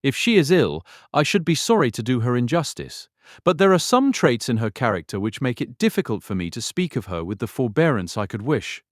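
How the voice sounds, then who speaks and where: An actor playing a talkative, sanguine older gentleman in a period audiobook drama, speaking in a genteel, rambling, effusive way. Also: mid-range voice, very animated, a little fast, no room sound, studio quality, lightly acted. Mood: confiding, aggrieved. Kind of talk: full-cast audiobook period drama acting.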